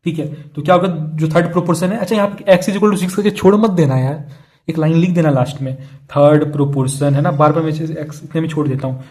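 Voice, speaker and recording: A man's voice: on the high side, fast talker, darkish tone. A young man teaching a casual math lesson online, chatty and repeating each key step as he works through problems. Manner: chatty, repeats key steps, calls students "yaar" and "bhai". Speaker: math tutor.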